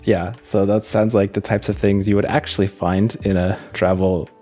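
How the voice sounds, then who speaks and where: A man's voice: fairly low pitch, level tone, moderate pace, dark tone, faint music behind. A young man co-hosting a podcast, chatting casually and laughing at himself often. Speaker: podcast co-host. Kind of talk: casual chat.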